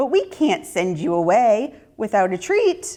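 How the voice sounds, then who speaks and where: Putting on a character voice, a woman speaks high-pitched at a moderate pace with very wide pitch swings. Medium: read story.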